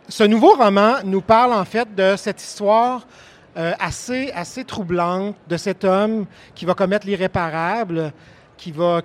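A man with a high voice interviews a guest on a book fair stage. He halts often and fills his gaps with fillers. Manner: many fillers, halting. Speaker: bookseller and literary host. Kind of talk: hesitant interviewer.

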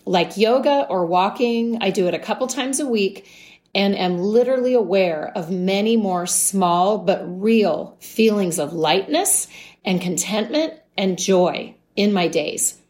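A woman, a life wellness coach, hosting a podcast in a calm, gently encouraging, measured way. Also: medium pitch. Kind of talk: scripted podcast monologue.

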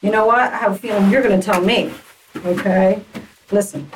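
A woman detective asks her questions in a calm, friendly, reassuring tone, her voice set at a middle pitch. It comes from old interrogation tape, picked up by a camera sitting well away from her in the room. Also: moderate pace, far from the mic, slight background noise, low-quality recording. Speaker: police detective.

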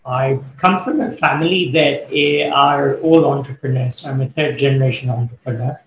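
A middle-aged man, born in Kenya and raised in the UK, answering interview questions as a business coach in a thoughtful, measured way with fillers. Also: medium pitch, fairly even intonation, a bit bright. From born in Kenya, grew up in the UK. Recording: echoey room, faint background noise.

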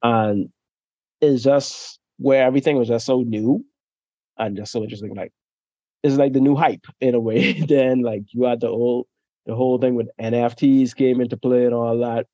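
A young man from the Bahamas, a podcast guest chatting casually, who laughs often and trails off softly at the ends of his sentences. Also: mid-range voice, fairly even intonation, moderate pace, no echo, highs cut off. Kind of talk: casual interview chat.

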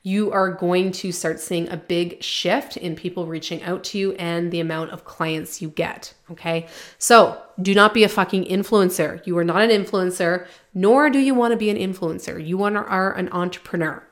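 A woman's voice: fairly low pitch, moderate pace. A young woman coaching her listeners on a solo podcast. She talks bluntly and with lots of energy, dropping casual swears as she gets fired up about her advice. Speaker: podcast host, business coach.

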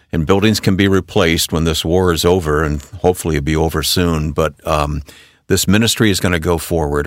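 A middle-aged man hosting a radio interview, asking measured, well-formed questions. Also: sits low, dry recording, studio quality. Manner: measured, scripted-sounding questions. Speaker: radio host.

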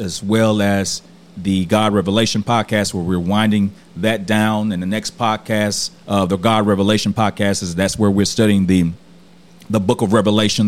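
A man hosting a podcast and teaching a verse-by-verse Bible study. His voice sounds hoarse and scratchy, and he speaks in an earnest, emphatic way, repeating his key points. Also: lowish voice.

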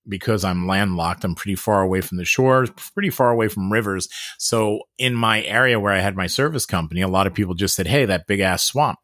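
A man's voice: lowish voice, a bit bright, no echo, studio quality. A man co-hosting a podcast with casual banter and stories, in a joking, bluntly wry manner. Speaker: podcast co-host.

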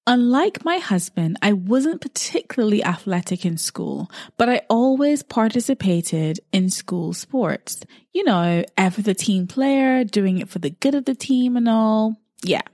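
A woman's voice: medium pitch, animated, unhurried, hardly any pauses, darkish tone, no room sound, clean studio sound. Woman telling a personal story. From Barbados. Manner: storytelling, reflective and conversational. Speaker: podcast host. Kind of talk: solo podcast talk.

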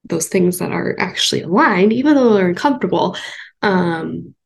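Congested young woman podcast host with a husky, gravelly voice, musing aloud and pausing often. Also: on the low side, expressive. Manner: thoughtful, rambling, many ums and pauses. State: congested from a cold. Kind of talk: casual solo podcast talk.

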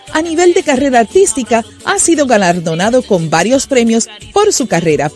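A woman's voice: medium pitch, a little mellow. A woman hosting a live talk show interview, introducing her guest and asking questions with effusive praise. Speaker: host.

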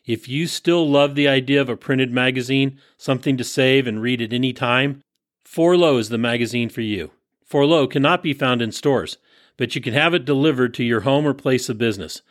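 A man's voice: medium pitch, normal speed, no room sound, studio quality. A man from Northern California hosting an off-road interview podcast, reading his intro and ads, then chatting with his guest. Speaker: podcast host.

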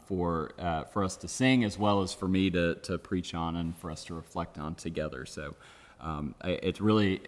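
A man preaching a sermon as pastor, earnest and reflective, with careful pauses. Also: low-pitched. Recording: long church reverb.

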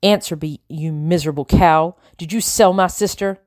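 A woman's voice: low voice, moderate pace, a little mellow, no echo, clean studio sound, lightly acted. A woman voicing a fierce, desperate young girl in a storybook, urgent and defiant. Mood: defiant anger. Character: fierce, desperate enslaved young girl protecting her sister.

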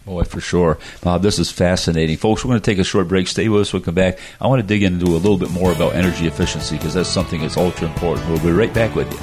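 A man's voice: low voice, fast talker, few pauses, over music. An American man hosting a radio interview in a casual, folksy, conversational way. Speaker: radio show host.

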